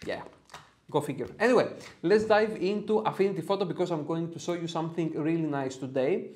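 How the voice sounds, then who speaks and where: A Greek-accented man in his thirties leads a photo editing tutorial from a small home studio lit in red, upbeat and chatty with casual asides and jokes about himself. His voice sits on the high side, fairly quick, with a darkish tone.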